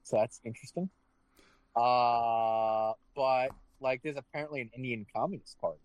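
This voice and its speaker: A man's voice: mid-range voice, steady tone, moderate pace, dry recording, poor audio. A man co-hosting a casual chat show, rambling and swearing, often restarting his sentences. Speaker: podcast co-host.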